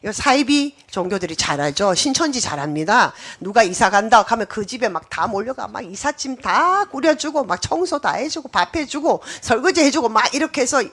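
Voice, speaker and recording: A woman's voice: a little high, brisk, hardly any pauses. A middle-aged woman pastor preaching a sermon, acting out quoted voices as she goes. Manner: animated, acts out quoted voices.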